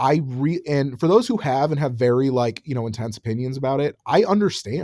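A man with a normal speaking voice and a fairly high pitch uses lively intonation, recorded very cleanly against a silent background with a dry, close sound and no echo. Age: 30s. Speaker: aviation enthusiast guest. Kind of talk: casual chat.

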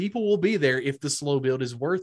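A man talks at a fairly quick pace with a fairly high pitch. His pitch swings very widely. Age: 30s. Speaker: podcaster. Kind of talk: casual chat. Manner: animated.

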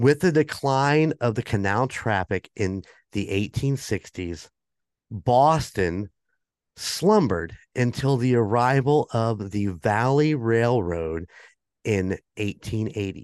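Against a quiet background, a man speaks at a very slow pace with lively intonation, the sound dry and close with no echo. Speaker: podcast host. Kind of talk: casual chat podcast. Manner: loud.

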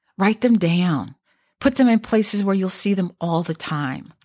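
A woman with an ordinary speaking voice at medium pitch and moderate pace, ordinary pitch variation, in a very clean, dry and close recording with no echo and a silent background. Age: 60s. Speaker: podcast host, Air Force veteran. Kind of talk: solo monologue podcast. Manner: conversational, warm.

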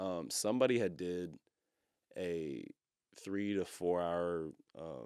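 Here is a man with an American accent. His very deep, low pitch shows ordinary variation. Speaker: rapper. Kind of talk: casual chat.

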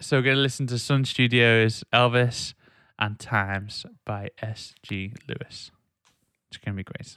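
This man has a normal speaking voice, medium in pitch, with fairly even intonation and a fairly slow pace. The sound is dry and close with no echo, though his loudness swings a lot. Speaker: music podcast host. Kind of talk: casual chat.

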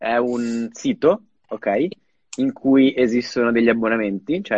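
A man with a medium pitch and an unremarkable speaking voice talks with ordinary pitch variation. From Milan, northern Italy. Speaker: podcast co-host. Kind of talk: casual chat.

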